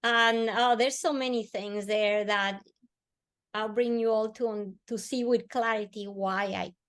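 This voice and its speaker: Woman, fairly high voice. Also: steady tone, clean tone. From Colombia. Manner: earnest, slowing and softening on emotional words. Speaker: podcast guest. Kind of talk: storytelling in a podcast interview.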